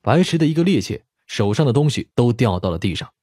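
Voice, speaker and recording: A man's voice: medium pitch, sing-song, fast, noisy background. A man reading a dramatic scripted audiobook narration.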